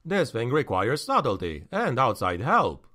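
A man reading a story aloud, voicing a stern male counselor who speaks in a low, steady, measured way. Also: full character voice.

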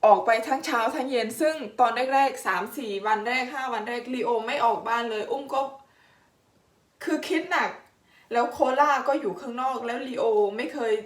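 Woman vlogger, chatty and friendly, a little high-pitched, recorded from a few steps off the camera in a bare, echoing house. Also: normal speed. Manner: chatty and warm, addresses viewers as older siblings. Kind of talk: casual home-tour vlog. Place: indoors in a house under renovation. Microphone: camera mic. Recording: echoey room, distant from mic.

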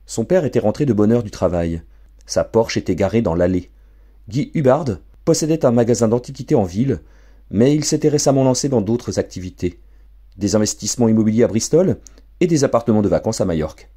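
A man reads a storybook for an audiobook with a theatrical flair. His pitch swings widely across a lowish, husky voice. The delivery stays expressive throughout. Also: brisk. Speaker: audiobook reader. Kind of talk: storybook narration.

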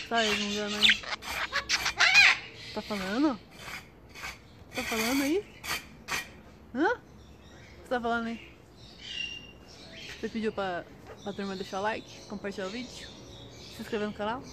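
A woman's voice: mid-range voice, a little slow, long pauses, very noisy. A woman with a Brazilian Portuguese accent talking to her pet birds on camera, cooing and asking them questions in baby talk. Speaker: bird keeper vlogger.

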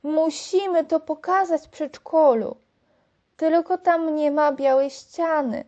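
A woman's voice: high voice, steady tone, takes it slowly, a little mellow, lo-fi sound. A woman doing a kind little boy. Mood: eager.

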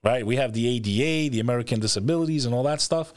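Through a close studio microphone on a stand, a middle-aged host talks fast at a medium pitch, the sound clean with no room echo. Speaking on a video call from an indoor studio, he gives motivational interview talk that's blunt, emphatic and profane, repeating phrases to drive them home.

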